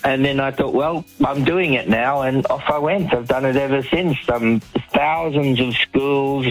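A man's voice: medium pitch, unhurried, soft background music, rough recording. Chatty male storyteller calling in. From Australia. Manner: chatty, anecdotal, with frequent ums and restarts. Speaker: caller, professional storyteller. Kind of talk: telling his life story on a radio phone-in.

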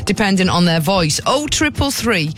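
A woman with a low voice co-hosting a radio show, chatty and teasing, laughing often. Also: sing-song, moderate pace. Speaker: radio co-host. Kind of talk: casual breakfast radio banter.

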